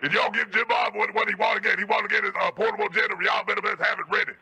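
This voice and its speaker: A man's voice: high voice, little pitch movement, gravelly, sharp tone, slightly rough, heavily acted. A man voicing a trash-talking Southern junkyard man from Georgia. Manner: trash-talking, insults, drawn-out "boy". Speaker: prank caller.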